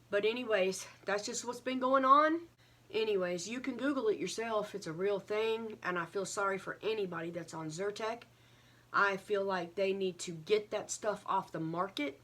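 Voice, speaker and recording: A woman giving a casual, earnest update to viewers, halting and a little short of breath as she recovers from illness. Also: mid-range voice, fairly bright tone. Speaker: craft vlogger.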